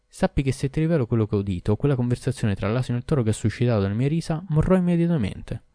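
A man's voice: on the low side, a little fast, dark tone, no echo, studio quality, close to an everyday voice. A man voicing a weary, exasperated merchant in an audiobook, speaking emphatically. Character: weary merchant who understands animals, adult man. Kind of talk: audiobook character voice.

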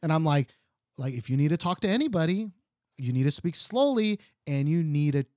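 A man chats as co-host of a podcast, joking and laughing as he goes. His pitch swings widely and his voice stays lively. The sound is close and dry, with no room around it. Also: a little fast, no room sound. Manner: animated, jokey, laughs often. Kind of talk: casual chat. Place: Seoul, South Korea.

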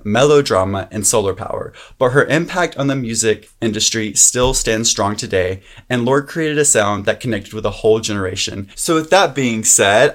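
A young adult man co-hosting a podcast, upbeat and enthusiastic, reading out background notes in a chatty way. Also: mid-range voice. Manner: upbeat and enthusiastic, laughs easily. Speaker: podcast co-host.

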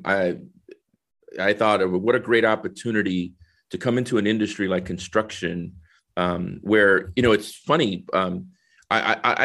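A man's voice: sits low, creaky, a bit bright. A middle-aged man from El Salvador, a guest in a conversational interview, explaining things earnestly and step by step. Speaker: guest, corporate diversity executive.

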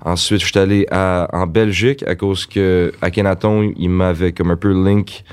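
A man talks in a relaxed, easygoing way, dropping English slang between phrases. His voice sits very low in pitch. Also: moderate pace, smooth. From Quebec side of Gatineau, near Ottawa. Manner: laid-back, mixes English slang into French. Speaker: guest rapper. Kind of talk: casual interview chat.

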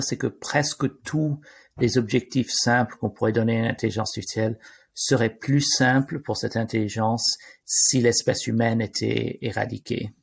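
Halting man with a foreign accent, creaky voice. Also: mid-range voice. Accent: foreign accent in French. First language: not French. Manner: halting, searching for words, repeating and rephrasing. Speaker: interview guest, AI risk expert. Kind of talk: unscripted explanation in an interview.

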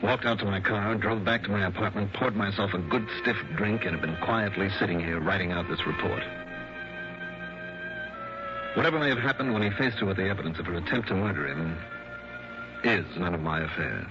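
An actor as a terse hard-boiled investigator. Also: male voice, low voice, fast, loud music behind the voice, natural voice. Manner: terse, dry first-person narration. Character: hard-boiled male insurance investigator narrating. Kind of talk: 1960s radio drama narration. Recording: dull lo-fi vintage radio broadcast.

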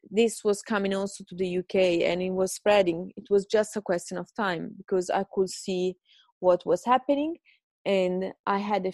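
Brief: Italian woman podcaster, gravelly low-toned voice, chatty and encouraging, dry close sound. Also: mellow, no echo. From Italy. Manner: chatty, self-mocking, encouraging. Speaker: podcast host. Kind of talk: casual advice monologue. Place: home.

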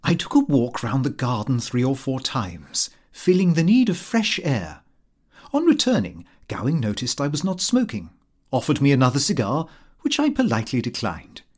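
A British man reads a comic diary aloud as an audiobook narrator. His pitch is mid-range but moves about a great deal, giving the prim, precise phrasing a very animated shape. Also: moderate pace. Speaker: audiobook reader. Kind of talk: scripted narration of a comic fictional diary, read in character as the diarist.

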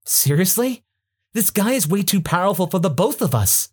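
A blunt young woman android snaps back in a raised, incredulous voice, as a man puts her on. It has a slight husky edge, in a fan storybook reading. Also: high voice, big pitch swings, normal speed, voice pushed up, exaggerated voice.

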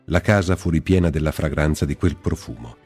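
A man reading the Bible aloud as scripted narration, in a slow and measured way. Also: rumbling low, darkish tone, husky, faint music behind. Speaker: Bible reader. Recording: long hall reverb.

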